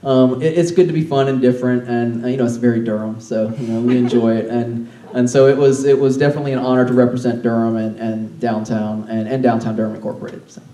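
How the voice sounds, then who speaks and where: A man's voice: mid-range voice, steady tone, quick pace, few pauses, dark tone. A man who directs marketing for a downtown organization, talking casually on a panel with many fillers. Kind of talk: panel talk. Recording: roomy, distant mic, faint hiss.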